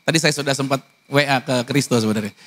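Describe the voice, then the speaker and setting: A pastor preaching a sermon, mixing casual slang with formal lines and asking the congregation rhetorical questions. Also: male voice, fast. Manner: swings from high excited lines to low earnest ones.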